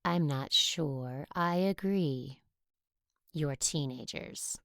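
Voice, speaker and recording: A woman playing a stern, controlling Catholic nun who teaches, speaking in a measured, formal way in an audio drama. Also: low-pitched, fairly bright tone, no echo, clean studio sound, heavily acted. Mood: stern, disapproving.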